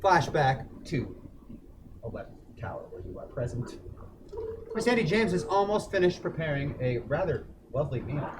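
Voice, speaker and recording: A game master narrating and voicing characters in a live tabletop role-play stream, in a dry, measured way. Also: mid-range voice, big pitch swings, noisy background.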